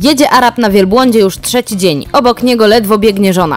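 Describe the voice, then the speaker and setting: A woman with an ordinary speaking voice talks at a fairly quick pace and fairly high pitch, keeping very even loudness and ordinary pitch variation. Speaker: voice-over narrator. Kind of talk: joke reading for a video compilation.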